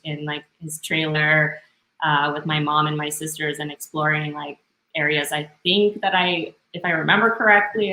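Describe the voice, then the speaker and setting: A woman, talking casually and haltingly as an interview guest. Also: low voice, gravelly, bright, forceful tone, reverberant, rough recording. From northern British Columbia, Canada, born in Romania. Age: 30s. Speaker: podcast guest.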